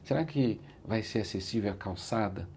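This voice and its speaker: A man's voice: lowish voice, normal speed, vocal fry, darkish tone, a little hiss or hum. A man with a Brazilian Portuguese accent, an interview guest and motivational speaker, telling his story in an earnest, reflective way. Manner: earnest, repeats "said like this" when quoting himself.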